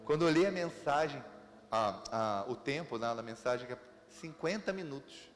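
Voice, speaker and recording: A man with a Brazilian accent, preaching a sermon as pastor, telling stories in a lively way with laughter. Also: medium pitch, moderate pace, in a large hall, a little hiss or hum. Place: church sanctuary.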